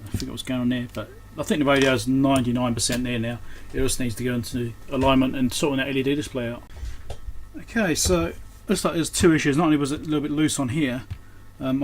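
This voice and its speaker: An electronics repairer presents his repair at a workbench, muttering and thinking aloud in casual hands-on commentary. His medium-pitched voice moves fast with fairly even intonation. Background noise is clearly audible.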